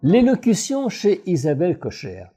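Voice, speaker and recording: A man, a voice coach, reads a scripted voice-over analysis in a measured, analytical way. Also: high voice, over music. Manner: measured, analytical, expressive phrasing.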